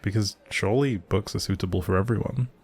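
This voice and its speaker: Male actor as a grumpy male barista, lowish pitch, secretly sweet, bookish, dry teasing, hesitant asides, close audio roleplay. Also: quick pace, slightly rough. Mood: curious, chatty. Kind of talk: intimate audio roleplay addressed to the listener.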